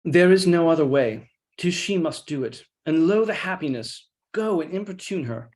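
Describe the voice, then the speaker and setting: A scheming, hard-bitten soldier in a Shakespeare play, read aloud by an amateur player. The pitch is middling and the phrasing pointed and deliberate. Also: animated, a little mellow, natural voice.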